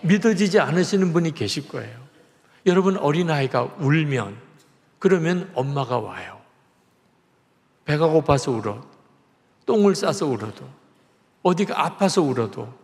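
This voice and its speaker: A male pastor delivering a revival sermon as dramatic storytelling, swinging between loud and soft. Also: a little high, very animated, moderate pace. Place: large church sanctuary. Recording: echoey church hall reverb.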